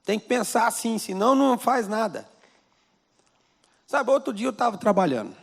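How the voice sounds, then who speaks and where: A man's voice: high-pitched, big pitch swings, moderate pace, creaky. A male pastor with a Brazilian Portuguese accent, preaching a conversational sermon in a church and throwing rhetorical questions at the congregation. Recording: long church-hall reverb.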